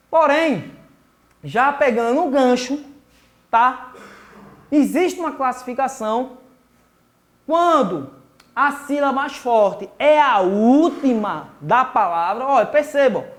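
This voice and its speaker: A man with a high voice and a Brazilian Portuguese accent teaches a remote grammar lesson for young children. He talks slowly and patiently, says key words twice and keeps checking that the class follows along. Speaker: primary school teacher.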